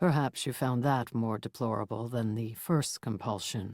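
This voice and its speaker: A low-pitched, put-on character voice speaks at a moderate pace on a very clean recording with a silent background. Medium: read story. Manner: formal, stiff phrasing.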